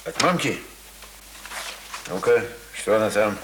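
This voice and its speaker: An actor in a radio drama playing a folksy, gruffly kind village uncle, colloquial and protective, on a hissy old recording. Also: male voice, on the low side, animated, fairly bright tone. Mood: concerned. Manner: folksy, colloquial, halting muttering and exhorting.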